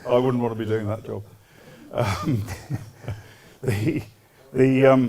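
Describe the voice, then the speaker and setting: Amid noticeable background noise and audible room echo, a man of medium pitch speaks at a fairly slow pace with a British accent. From England. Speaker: retired army colonel, lecturer. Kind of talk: lecture with consecutive interpreting. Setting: lecture hall with audience. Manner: short phrases with pauses for interpreter.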